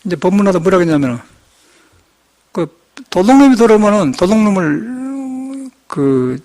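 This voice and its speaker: Older male monk, slight Jeolla accent, fairly high voice, folksy storytelling sermon. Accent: slight Jeolla Korean. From Jeolla region, Korea. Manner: folksy storytelling, chuckles, acts out quoted speech. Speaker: Buddhist monk giving a dharma talk.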